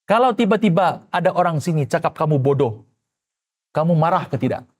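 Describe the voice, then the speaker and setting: A man preaching a sermon as pastor, animated, firing rhetorical questions and acting out quoted voices. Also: a little high, fairly quick.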